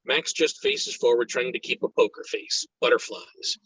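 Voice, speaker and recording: A man's voice: medium pitch, wildly swooping pitch, moderate pace, a bit bright, breathy edge, dry recording, rough recording. A man reading stage directions aloud as scripted narration for a screenplay table read.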